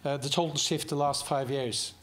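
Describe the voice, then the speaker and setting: A man's voice: on the high side, fairly even intonation, normal speed, fairly bright tone. Norwegian man giving a hesitant guest lecture. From Norway. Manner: hesitant, many fillers and restarts, joking with the audience. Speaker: guest speaker. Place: lecture hall.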